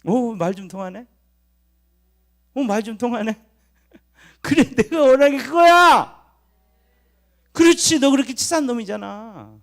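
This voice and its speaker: A man's voice: high-pitched, slow pace, long pauses, dark tone, pitched above the performer's own voice. A male pastor voicing God as an amused, teasing deity who chides playfully. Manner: playful, chiding, laughing.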